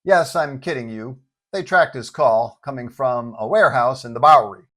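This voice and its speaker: A man voicing a calm, dry right-hand man to a hero, deadpan and slyly dismissive. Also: medium pitch, normal speed, close to an everyday voice.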